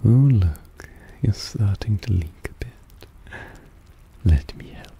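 A man playing a suave, possessive vampire in intimate ASMR roleplay, soft, teasing and soothing, often dropping into a whisper. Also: lowish voice, expressive, slow pace, gravelly, husky, heavily acted. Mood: tender, attentive.

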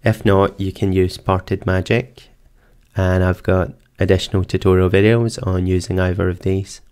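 A man narrating a screen-recorded computer tutorial, calmly explaining each step in order. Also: deep voice, moderate pace, smooth. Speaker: tech tutorial presenter. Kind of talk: screen-recorded software walkthrough. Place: voice-over for screen capture.

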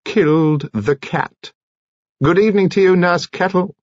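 Male narrator as pompous gentleman, high swooping delivery, florid and aggrieved, husky edge, storybook character. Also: a little slow, dry recording, highs cut off. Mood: curt, intemperate. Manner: florid, theatrical, long-winded formal phrasing. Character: pompous, eccentric widowed cat-owner, ornate and aggrieved gentleman.

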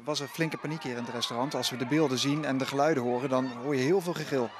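A man's voice: medium pitch, fairly even intonation, fast talker, noisy background. A male reporter asking an interviewee direct questions on site.

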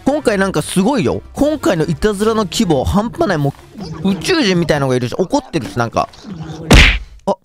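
Young male gaming host, slightly high, very lively voice, excitable and jokey, faint music underneath. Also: brisk. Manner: excitable, jokey, talks to viewers. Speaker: gaming YouTuber. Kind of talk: game commentary.

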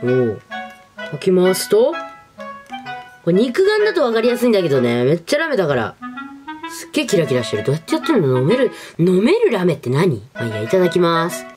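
A woman's voice: lowish voice, huge pitch swings, fast. A young adult woman vlogging in a casual, chatty, informal way, talking to the camera in a small room. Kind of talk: casual chat to camera, product review. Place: small furnished room indoors. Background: background music.

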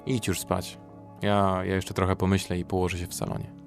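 Low-voiced, composed young man played by an actor. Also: little pitch movement, a little fast, gravelly, soft background music. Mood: subdued, resolved. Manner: serious, composed. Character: young male survivor, protective, practical, composed. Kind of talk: audio drama acting.

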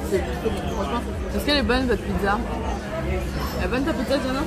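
Young woman, travel vlogger, high-ish voice, chatty with fillers; busy crowd around her. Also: fairly quick. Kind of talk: casual travel vlog talk. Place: outdoors and at restaurant terraces.

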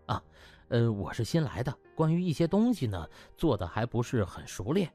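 A man voicing a cunning young hospital inspector in an audiobook, hesitant, mock-solemn and flattering. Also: mid-range voice, moderate pace, faint music behind. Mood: mock-humble. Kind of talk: audiobook character acting.

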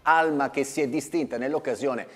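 A man's voice: mid-range voice, brisk, fairly bright tone, in a large hall. A man in his fifties hosting a studio sports report, speaking in long, formal sentences. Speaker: sports programme host. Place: indoor TV studio. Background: music.

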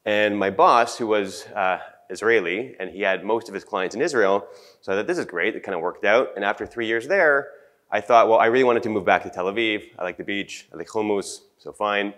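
A middle-aged man from Canada giving a casual conference talk into a handheld mic, chatty and self-deprecating, with a groggy morning voice and throat clearing. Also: on the low side, brisk, fairly bright tone. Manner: chatty, self-deprecating, many fillers and restarts. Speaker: conference speaker. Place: conference room.

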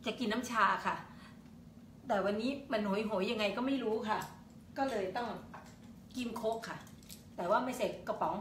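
A woman's voice: on the high side, moderate pace, long pauses. An older woman hosting a casual political live stream, chatty and laughing, reading viewers' names aloud. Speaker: political livestream host. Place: indoors at home. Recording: echoey room, faint noise.

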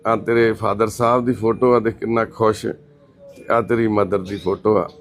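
A man's voice: lowish voice, little pitch movement, moderate pace, soft background music. A man working as a charity volunteer, earnestly pleading with an absent son to call his grieving mother. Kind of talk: emotional appeal to camera.

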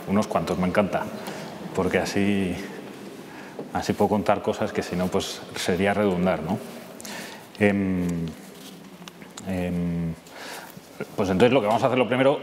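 Low-voiced Madrid man in an echoey hall. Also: darkish tone. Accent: Castilian Spanish from Madrid. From Madrid, Spain. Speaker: speaker giving a testimony. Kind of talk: informal personal testimony to an audience. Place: church interior, seated at a table. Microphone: lapel microphone. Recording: echoey church hall, clear background noise.

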